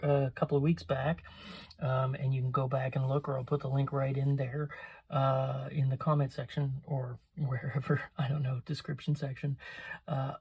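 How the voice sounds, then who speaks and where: A middle-aged man chatting casually and unscripted as he shows off items as a store owner, in a halting, rambling way that often interrupts itself. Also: mid-range voice, husky. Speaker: vintage store owner presenting a haul. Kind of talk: casual unscripted show-and-tell chat.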